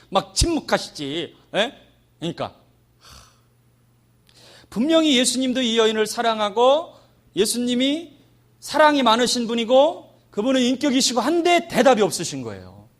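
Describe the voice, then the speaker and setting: Man, preacher, sermon, high voice, very lively pitch, call-and-response. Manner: animated, dramatic, asks the congregation to respond; acts out quoted voices with loud shouts. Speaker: missionary preacher.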